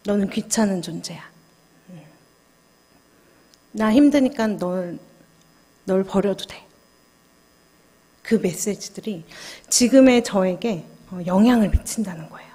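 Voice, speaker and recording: A woman junior pastor giving a confessional, conversational sermon at a Friday prayer service, asking the congregation questions. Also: medium pitch. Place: church sanctuary. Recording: long church hall reverb.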